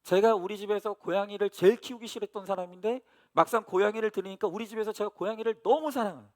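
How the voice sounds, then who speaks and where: A middle-aged male pastor preaching a sermon, telling a family story with lively asides to the congregation. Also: sits high, fast talker.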